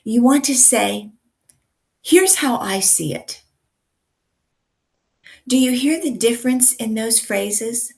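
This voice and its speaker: A woman teaching communication skills, her voice a little raspy from a night of yelling at a concert, speaking in a deliberate, emphatic way. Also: on the high side. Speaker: communication coach. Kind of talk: teaching to camera.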